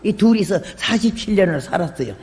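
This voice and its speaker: An older woman missionary preaching a sermon, telling her own story with lively acted-out voices and sudden shouts. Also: medium pitch, fairly quick. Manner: animated storyteller, acts out quoted voices, bursts into shouts. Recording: long hall reverb.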